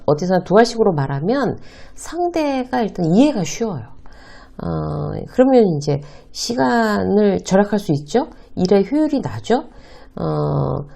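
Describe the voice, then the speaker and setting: A woman teaches in a lively, up-and-down voice with a gravelly edge. Her tone is warm and mellow. She poses questions and answers them herself, as if in conversation. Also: mid-range voice. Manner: acts out short quoted exchanges. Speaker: workplace advice host. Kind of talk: talk-style lesson to viewers.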